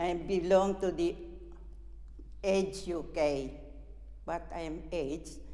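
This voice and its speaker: Very slow delivery with long, frequent pauses and audible room echo. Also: woman. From Philippines. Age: 80s+. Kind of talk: personal testimony.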